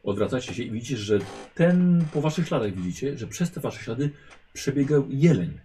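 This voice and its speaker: A man narrating a tabletop role-playing game as game master, telling the scene in a lively way. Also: medium pitch, moderate pace, husky. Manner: lively, animated storytelling.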